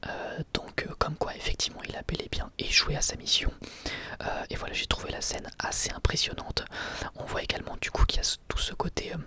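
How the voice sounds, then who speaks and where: A man's voice: fairly quick, sharp tone. A man whispering a casual, rambling ASMR review, full of hesitations and restarts. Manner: whispers throughout.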